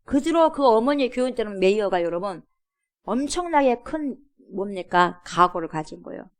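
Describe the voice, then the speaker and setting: With lively intonation and a moderate pace, a woman pastor with a medium-pitched voice calls out to her congregation in a church sanctuary. Her emphatic sermon is full of rhetorical questions and repeated "여러분."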